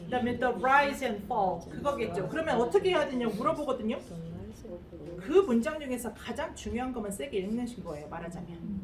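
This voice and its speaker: A woman's voice: on the high side, a little hiss or hum. A woman teaching English pronunciation to a class, modelling sounds and having them repeat. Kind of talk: classroom lecture with drills. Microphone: distant room mic. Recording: echoey classroom from far off, class audible.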